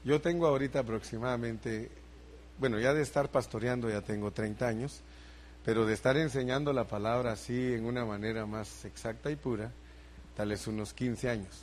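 A man's voice: mid-range voice, steady tone, fairly quick, slight background noise. An older male pastor preaching a sermon, asking the congregation for responses and building emphasis.

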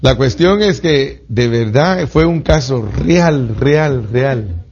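A man's voice: mid-range voice, animated, slow, darkish tone, muffled recording, slight background noise. A man preaching and teaching a Bible study, who tells stories with sound effects and repeats words for emphasis. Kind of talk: sermon with storytelling.

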